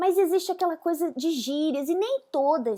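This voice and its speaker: Her intonation is lively as the woman talks at a fairly slow pace. The background is silent on this very clean recording. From Brazil, Rio de Janeiro. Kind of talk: casual devotional talk to camera. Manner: halting, many restarts.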